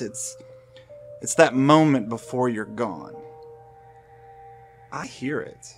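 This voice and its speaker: An actor playing a weary, haunted senior FBI agent in an audio drama, speaking in a grave, halting, pleading way. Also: male voice, medium pitch. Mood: haunted, subdued.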